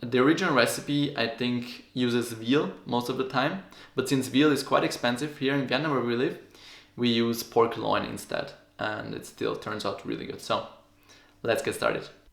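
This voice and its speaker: Audible room echo surrounds a man speaking at a medium pitch. He keeps a moderate pace and fairly even intonation. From half Italian, Italian-speaking family. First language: Italian. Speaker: cooking channel host. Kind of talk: cooking tutorial. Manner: casual, friendly.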